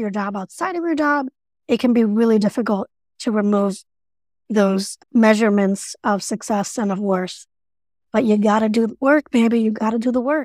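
A woman has an ordinary speaking voice with a fairly high pitch and ordinary pitch variation. She talks at a moderate pace in a dry, close sound with no echo. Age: 30s. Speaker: podcast co-host, UX writer. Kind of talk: casual chat. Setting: video call.

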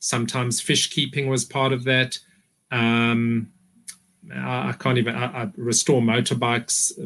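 With a New Zealand accent, a man talks at a moderate pace and medium pitch. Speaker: panel guest. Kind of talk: casual panel discussion.

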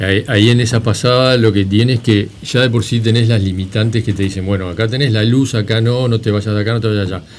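A man with a Uruguayan accent at a medium pitch, very fast, with hardly any pauses and fairly even intonation. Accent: Rioplatense Uruguayan Spanish. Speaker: photographer. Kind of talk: casual chat.

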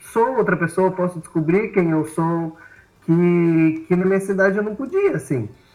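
Noticeable background noise sits behind a man. He speaks fairly slowly in a high pitch. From Brazil, countryside. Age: 20s. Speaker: theatre worker. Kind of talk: casual chat. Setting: remote online call.

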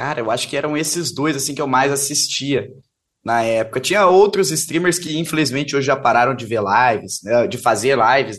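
With an ordinary speaking voice, a man talks at a fairly high pitch and moderate pace with ordinary pitch variation. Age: 20s. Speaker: streamer and influencer. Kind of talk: casual chat.

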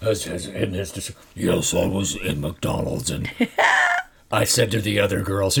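Using a put-on character voice, a man talks very slowly. His pitch is fairly low and his intonation fairly even.

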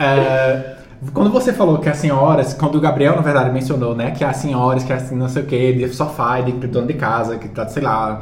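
Over noticeable background noise and audible room echo, a man at medium pitch talks at a moderate pace with fairly even intonation. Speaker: podcast co-host. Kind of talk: casual chat.

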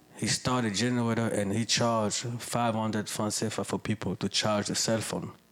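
A man's voice, monotone and flat, at very even loudness against noticeable background noise. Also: medium pitch for a man, moderate pace. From Cameroon (Douala). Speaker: solar company owner. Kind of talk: casual chat.

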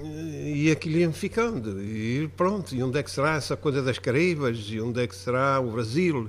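Speaking at a moderate pace with hardly any pauses, a man with a medium pitch makes very wide pitch swings and big swings in loudness. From Azores, Portugal. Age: 60s. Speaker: sailor and fisherman. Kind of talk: casual interview. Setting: restaurant.

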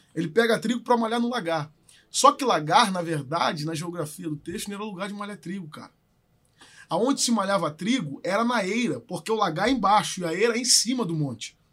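The voice moves at a fairly quick pace with lively intonation. Its loudness swings widely. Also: man, high pitch for a man. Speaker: minister and podcast co-host. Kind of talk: casual chat.

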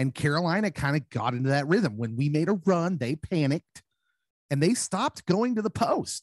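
Speaking with a Midwestern American accent, a man with a fairly high pitch keeps a moderate pace and swings his pitch very widely, in a dry, close recording with no echo. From Kansas (Lawrence). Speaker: sports podcast host. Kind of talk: casual chat.

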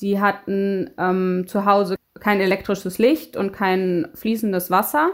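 A woman talks at a very slow pace with fairly even intonation. The recording is very clean, with a silent background. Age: 30s. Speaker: nonprofit fundraiser and storyteller. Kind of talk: storytelling narration. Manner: casual, with filler words.

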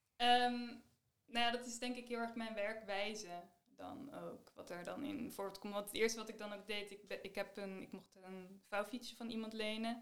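Audible room echo surrounds a woman with a fairly high pitch. She speaks at a fairly slow pace with fairly even intonation. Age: 20s. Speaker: visual artist. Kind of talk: interview. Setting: in a closed church.

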